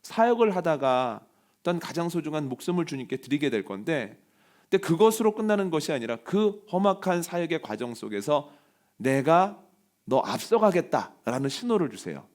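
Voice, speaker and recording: Animated Korean pastor preaching. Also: male voice, brisk. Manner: storytelling, voicing quoted dialogue softly and lower; rises in pitch and force on key points. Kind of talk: sermon.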